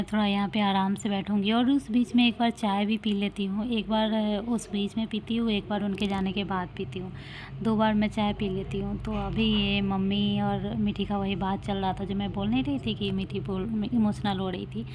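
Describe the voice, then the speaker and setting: A woman's voice: mid-range voice, little pitch movement, moderate pace, noisy background. A woman in her thirties, a mother chatting casually in a daily home vlog, rambling with lots of fillers. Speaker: vlogger, mother.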